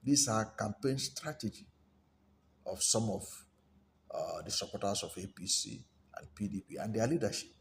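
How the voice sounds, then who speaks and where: A man with a Nigerian accent giving unscripted political commentary in a halting, deliberate manner, often rephrasing himself. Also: on the low side. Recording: steady background noise, room ambience.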